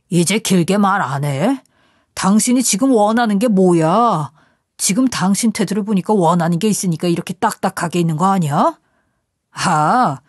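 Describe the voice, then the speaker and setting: A woman's voice: mid-range voice, no room sound. A woman voicing a manipulative, threatening husband in an audio story, coaxing and menacing by turns, recorded dry and close. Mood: bargaining.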